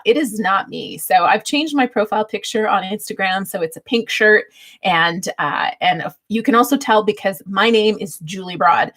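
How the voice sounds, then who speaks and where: A woman hosting a casual livestream, chatty and informal as she shares advice and quick to laugh. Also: mid-range voice, fairly bright tone. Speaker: livestream host.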